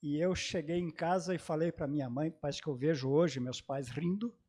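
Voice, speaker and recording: Halting man recalling his childhood. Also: on the high side, dark tone, breathy edge. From Brazil, grew up in Santa Catarina. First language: German dialect. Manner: halting, many hesitations and restarts. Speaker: panelist at a theology congress. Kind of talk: personal recollection in a panel talk.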